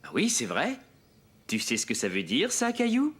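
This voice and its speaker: A man's voice: on the high side, huge pitch swings, moderate pace, noisy background. A man playing an easygoing, friendly father in a children's cartoon, with an encouraging way of explaining. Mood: enthusiastic. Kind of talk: French children's cartoon acting.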